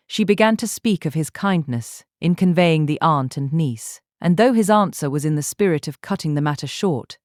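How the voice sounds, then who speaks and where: A woman reading literary narration in a measured, formal way as an audiobook narrator. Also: deep voice, darkish tone, dry recording, studio quality.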